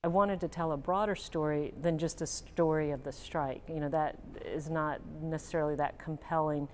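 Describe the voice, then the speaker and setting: A woman's voice: sits low, fairly even intonation, normal speed, darkish tone, a little hiss or hum. A woman speaking reflectively as an author in an interview. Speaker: novelist being interviewed.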